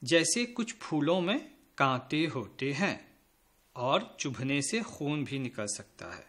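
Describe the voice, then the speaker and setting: A man teaching a school lesson to children, speaking slowly and spelling out words letter by letter as he addresses the pupils directly. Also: mid-range voice, big pitch swings, a bit bright. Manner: slow, careful spelling out of letters.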